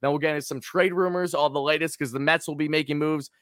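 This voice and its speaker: A man with a raspy, hoarse voice co-hosting a sports podcast, chatting casually in an excitable, hyperbolic way. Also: on the high side, fast, no room sound, studio quality. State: hoarse from screaming.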